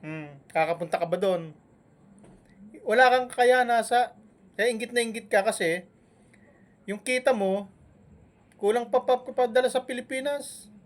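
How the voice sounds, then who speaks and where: A man scolding and mocking a rival on a live stream, with taunting jabs and long humming pauses between them. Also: extremely high pitch. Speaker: vlogger.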